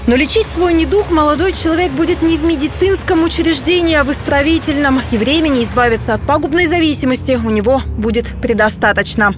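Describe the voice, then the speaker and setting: A woman reading scripted news narration in a measured, wry way. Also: sits high. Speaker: news reporter. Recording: voice-over with music underneath.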